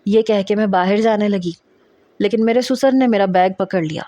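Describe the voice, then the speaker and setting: A woman reads a first-person romance story in a measured, feeling voice. Her pitch sits in an ordinary middle range. The recording is dry and close. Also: warm tone, no echo.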